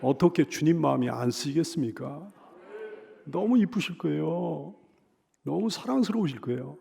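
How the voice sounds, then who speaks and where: Gravelly Korean pastor preaching. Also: male voice, a little high, animated, moderate pace. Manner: swings between loud emphatic cries and soft hushed lines; repeats phrases with rising pleading intensity. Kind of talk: sermon.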